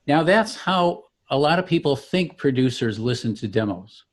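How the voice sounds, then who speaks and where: A man with a mid-pitched voice walks through a product demonstration conversationally. He explains each point with enthusiasm, like a founder showing off his own work. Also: animated, moderate pace.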